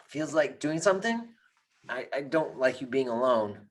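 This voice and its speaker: Woman playing teen boy, quite low pitch, gentle, hesitant, concerned, screenplay reading. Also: lively intonation, moderate pace. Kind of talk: amateur screenplay table read.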